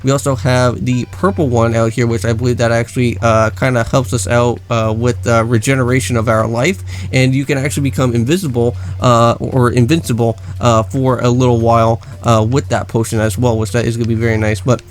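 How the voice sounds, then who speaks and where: A man's voice: medium pitch, level tone, brisk, hardly any pauses. A man hosting a gaming video, explaining things in a casual, rambling way and often repeating phrases. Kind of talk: casual let's play commentary. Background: background music.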